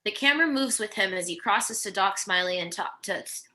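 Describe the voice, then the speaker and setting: A woman with a bright, clear-edged voice at a medium pitch reads out screenplay stage directions. Her delivery is scripted narration for a table read. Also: expressive, moderate pace.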